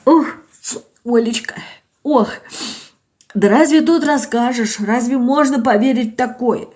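A woman's voice: on the high side, measured pace, a little mellow, pitched above the performer's own voice, lightly acted. A woman voicing a tearful older village woman who talks in a sing-song, folksy way and sobs as she speaks.

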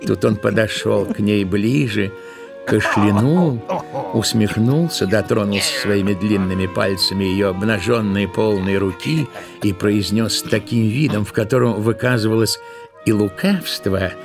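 A man's voice: on the low side, unhurried, gravelly, music in the background. A man narrating a literary tale as a scripted storyteller in an audio drama.

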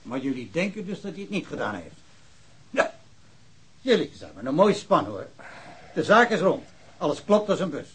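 Indignant policeman, very husky voice. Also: fairly high pitch, big pitch swings, normal speed, long pauses, exaggerated voice. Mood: indignant, reproachful. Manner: argumentative, reproachful. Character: indignant local policeman, convinced the case is closed. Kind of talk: radio drama acting.

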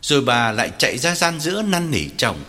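A man's voice: medium pitch, very animated, brisk, bright, forceful tone. A man narrating a story with dramatic, widely varied delivery. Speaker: audiobook narrator. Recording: long hall reverb, faint music.

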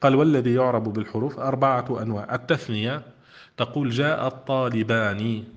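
Male teacher, mid pitch, lo-fi recording, reads a text and quizzes the class. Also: fairly even intonation, fast. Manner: reads a text aloud, then explains it with questions to the listeners. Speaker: Arabic grammar teacher. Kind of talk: classroom grammar lesson.

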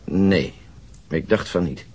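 Low, husky, methodical detective. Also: male voice, darkish tone, heavily acted. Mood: recollecting, precise. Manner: measured, precise, matter-of-fact. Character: methodical, unflappable pipe-smoking male detective with exact memory. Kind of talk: naturalistic Dutch radio drama acting.

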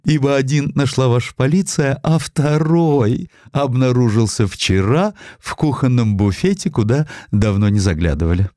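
A man's voice: medium pitch, lively intonation, moderate pace, hardly any pauses, mellow, dry recording, clean studio sound, voice pushed up, lightly acted. A man voicing an ageing, gossipy society widow who is sentimental and coquettish in an audio drama. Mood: nostalgic, gushing.

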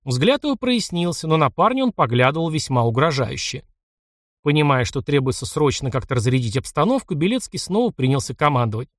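A man narrating an audiobook in a measured, expressive reading. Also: a little high, no room sound, clean studio sound.

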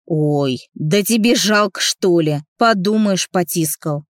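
Woman reader doing a sleazy male business partner: insolent, mocking, loud, dry close read. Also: lowish voice, takes it slowly, no room sound.

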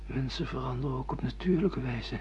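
A man's voice: medium pitch, brisk, darkish tone, breathy edge. A man acting a bewildered, sardonic middle-aged amnesiac husband in a Dutch radio play, with theatrical, ironic delivery. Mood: uneasy. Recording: muffled lo-fi radio play recording.

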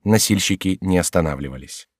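Male audiobook narrator, deep and dry, measured dramatic delivery. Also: no room sound. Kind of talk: scripted literary narration.

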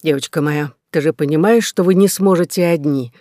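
A man voicing a nun of almost sixty, anxious and caring, speaking with soft hesitation. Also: a little high, a little fast, no echo, clean studio sound, natural voice.

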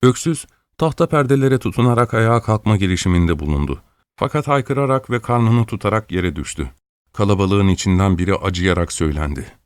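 Low-voiced man narrating a story. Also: lively intonation, a little fast, clean tone, dry recording, clean studio sound.

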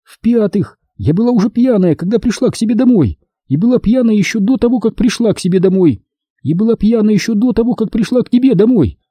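A man's voice: high voice, animated, quick pace, warm tone, slightly rough, no room sound, pitched above the performer's own voice. A man reading an audiobook, voicing a tipsy young woman who rambles indignantly through her points. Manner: drunken rambling, counting points.

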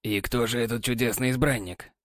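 A man voicing a weary, gruff sea captain who is a tender husband, speaking low with sighs and mutters. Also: steady tone, brisk, fairly bright tone, no room sound, close to an everyday voice. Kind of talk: audiobook character voice.

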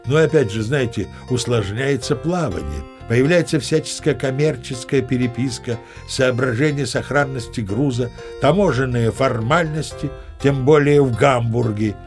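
Brief: an actor as an old captain spinning tall tales, mid-range chatty voice, soft music behind. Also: male voice, medium pitch, moderate pace, hardly any pauses, close to an everyday voice. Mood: storytelling. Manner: chatty, confiding, old-fashioned courtesy. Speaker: narrator. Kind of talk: audio play narration.

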